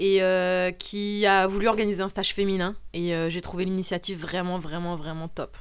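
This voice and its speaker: This is a very clean recording with a silent background. A woman speaks at a medium pitch and moderate pace with fairly even intonation. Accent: slight southern French. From southeastern France (Toulon). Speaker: athlete. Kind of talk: casual chat. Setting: studio.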